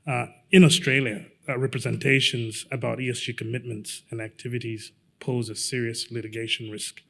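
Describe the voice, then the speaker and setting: A middle-aged Zambian lawyer delivers a conference presentation in a gravelly voice kept to a narrow, even pitch. His speech is measured and halting, with frequent pauses on filler words.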